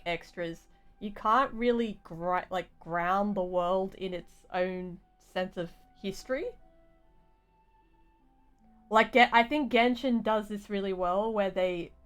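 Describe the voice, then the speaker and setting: Woman streamer chatting casually, slow n smooth voice, rambles while thinking out loud. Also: medium pitch, soft background music. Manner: rambling, halting, thinking aloud. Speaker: game streamer. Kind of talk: casual live-stream commentary.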